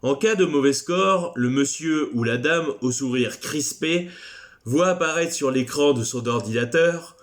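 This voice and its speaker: A man's voice: medium pitch, a little slow. A man teaching a recorded French class lesson, chatty and digressive, with self-deprecating asides.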